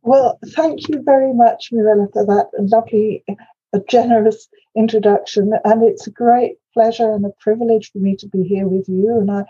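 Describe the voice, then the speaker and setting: Husky dark-voiced Welsh woman lecturing. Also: medium pitch, fairly even intonation, moderate pace, highs cut off. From Wales. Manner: hesitant, many fillers and restarts. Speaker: invited academic speaker. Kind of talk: academic lecture.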